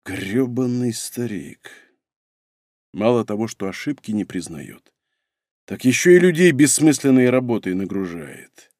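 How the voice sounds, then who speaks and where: A man's voice: medium pitch, sing-song, normal speed, darkish tone, no echo. Man narrating a novel, dry and curt. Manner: dry, curt first-person voice. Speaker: audiobook narrator.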